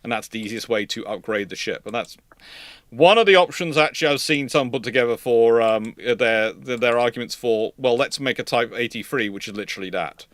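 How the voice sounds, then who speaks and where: A man's voice: mid-range voice, a little fast, fairly bright tone, no room sound. A British man hosting a casual history question-and-answer stream, rambling and often stammering and repeating words as he explains. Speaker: livestream host.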